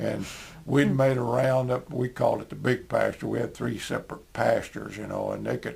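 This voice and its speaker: Noticeable background noise is present throughout. Over it, a man speaks at a moderate pace. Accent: rural Texas. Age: 80s+. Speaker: oral history interviewee. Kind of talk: oral history interview. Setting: recorded interview.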